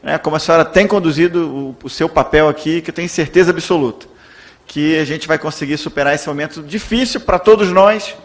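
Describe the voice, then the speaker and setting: A Brazilian Portuguese-speaking man addresses the chair in a formal, measured and deferential tone. His voice sits slightly high for a man. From Brazil, born in Salvador. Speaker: legislator. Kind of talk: parliamentary speech.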